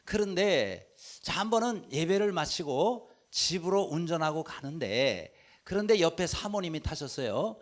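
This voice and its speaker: A man preaching a Sunday sermon as senior pastor, telling an anecdote and acting out the quoted dialogue with lively swings in voice. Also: on the high side, unhurried.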